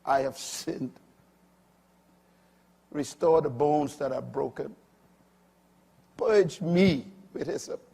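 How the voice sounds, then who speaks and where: An older man preaching a sermon, swinging from loud emphatic peaks to quiet low asides. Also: takes it slowly, vocal fry, long pauses, slightly rough.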